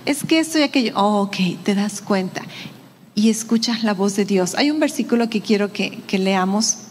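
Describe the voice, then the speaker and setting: A woman's voice: mid-range voice, normal speed, big-room sound, a little hiss or hum. A woman pastor preaching a sermon in a conversational way, full of rhetorical questions. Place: church hall.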